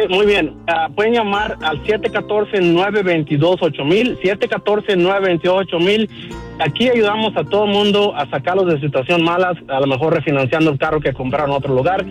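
A man's voice: high voice, expressive, normal speed, soft background music. A middle-aged Mexican man with a Mexican accent, chatting as a radio guest in a folksy way with many fillers. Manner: warm, folksy, lots of fillers. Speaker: guest, car dealer. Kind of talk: casual radio interview.

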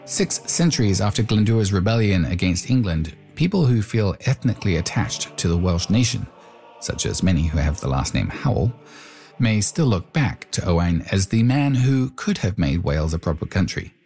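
A man's voice: sits low, very animated, normal speed, darkish tone, faint music behind. A man presenting and narrating a radio-style feature, also asking the interview questions.

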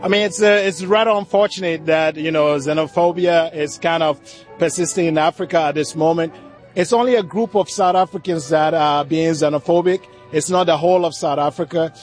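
A man from Ghana, a football fan at a festival, speaking in a measured way. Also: on the high side, fairly even intonation, faint music behind.

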